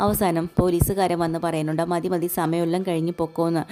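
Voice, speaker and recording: Low mellow-voiced woman recapping a serial. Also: level tone, fast talker. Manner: plain retelling, quotes dialogue in her own voice, frequent filler "kettō". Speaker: host retelling a serial story. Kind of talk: casual spoken recap of a serial.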